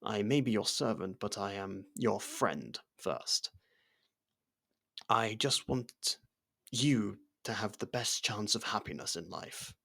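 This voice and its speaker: Man performing a loyal fantasy servant, ASMR roleplay, very unhurried, crackly vocal fry, deferential, gently teasing confidant. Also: fairly low pitch, animated, exaggerated voice. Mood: supportive, hesitant. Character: loyal personal servant and dearest friend of royalty, gently teasing. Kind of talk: ASMR roleplay audio drama.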